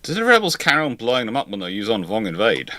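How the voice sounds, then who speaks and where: A man's voice: fairly low pitch, wildly swooping pitch, quick pace, bright, forceful tone. A man hosting a live question-and-answer stream, talking in a wry, discursive way with sarcastic asides. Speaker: host.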